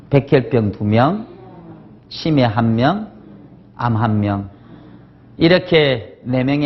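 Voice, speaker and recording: In a strong Gyeongsang accent, a man talks at a medium pitch with ordinary pitch variation. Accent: Gyeongsang dialect, still strong. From South Korea, South Gyeongsang rural village. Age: 40s. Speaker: motivational speaker. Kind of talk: motivational lecture. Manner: animated, interactive with audience.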